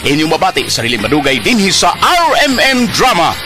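A dramatic cebuano radio trailer voice, brooding and intense, highish, very animated, music behind. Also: male voice, a little fast. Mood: intense announcing. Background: loud dramatic music.

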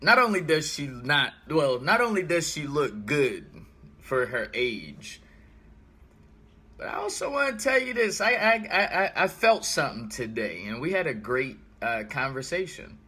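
An American man in his thirties chatting casually on a livestream, thinking out loud and telling stories with animated, emphatic repetition. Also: fairly high pitch, measured pace, slightly rough. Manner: animated storytelling, repeats himself for emphasis. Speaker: vlogger. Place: small room indoors.

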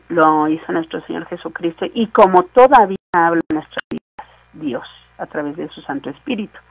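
Woman preaching with a gravelly voice. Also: medium pitch, no echo, low-quality recording. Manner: warm, conversational, with asides and rhetorical questions. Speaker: radio program preacher. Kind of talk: radio sermon.

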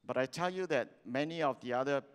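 A man's voice: mid-range voice, brisk, smooth. Singaporean man talking in a big hall. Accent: Singaporean English. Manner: chatty, asks the audience questions. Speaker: seminar speaker. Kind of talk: lively sales seminar talk. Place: large hall on stage. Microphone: handheld mic. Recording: long hall reverb.

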